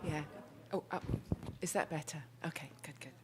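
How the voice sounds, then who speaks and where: A soft-spoken woman, a therapist, presenting a talk to an audience through a microphone. She speaks thoughtfully and sometimes restarts as she searches for words. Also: low-pitched, moderate pace, background noise. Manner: soft-spoken, leans in to the mic.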